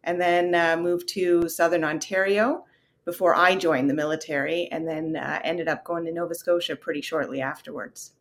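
A woman's voice: low-pitched, steady tone, normal speed. A woman from Canada in her thirties, a guest on an interview, telling her career story in a casual, open way with fillers. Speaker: guest, real estate investor.

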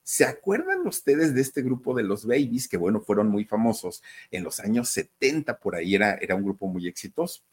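A man's voice: lowish voice, big pitch swings, fairly quick, few pauses, breathy edge. A man, telling a story in a chatty way and talking straight to his listeners. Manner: chatty, addresses listeners directly. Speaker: storyteller host. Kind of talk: casual storytelling.

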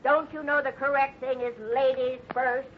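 A woman's voice: sits high, little pitch movement, normal speed, lightly acted. A woman playing a feisty, scolding old western grandmother, tart and fussy, in a 1950s radio drama on an old recording. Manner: tart, fussy, unafraid, old-fashioned exclamations. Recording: muffled, noisy old radio broadcast recording.

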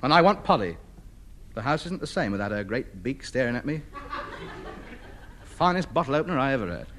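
A man's voice: medium pitch, big pitch swings, fairly quick, lightly acted. A man playing a whiny, wheedling junk collector. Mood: indignant. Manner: whiny, exasperated, pleading comic delivery. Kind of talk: 1950s radio comedy acting. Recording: old radio recording with surface noise.

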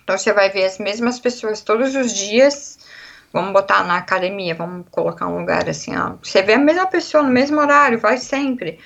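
A woman's voice: mid-range voice, fairly quick, creaky, fairly bright tone, lo-fi sound. A young adult woman from Brazil with a Brazilian Portuguese accent, chatting animatedly in an interview and acting out little quotes as she talks. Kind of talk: casual conversational interview.

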